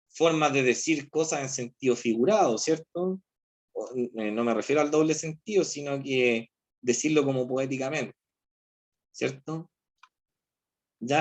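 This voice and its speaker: A man with a Chilean accent teaching philosophy over a video call. He explains the text step by step and keeps checking in with his class using rhetorical questions. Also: a little high. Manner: explanatory, asks rhetorical questions, often says "¿cierto?". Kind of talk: online class lecture.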